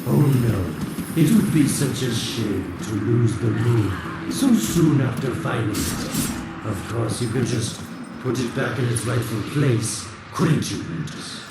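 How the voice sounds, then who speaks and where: A man's voice: animated, slow, creaky. An actor playing a sly, theatrical male villain in a video game, taunting with mock sympathy and sarcasm. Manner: sarcastic, mocking, teasing. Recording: echoing, distant, over loud game rumble.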